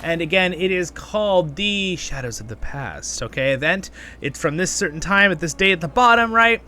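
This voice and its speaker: A man runs a gaming channel, giving a casual, rambling gameplay guide while chatting to viewers like friends, with game music playing in the background. His voice is high and sharp in tone, expressive, at a moderate pace.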